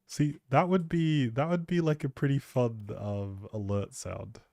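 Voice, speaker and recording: Mellow man rambling casually on a stream. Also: mid-range voice, measured pace, creaky, dry recording, studio quality. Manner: playful, teasing, thinking aloud. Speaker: live streamer.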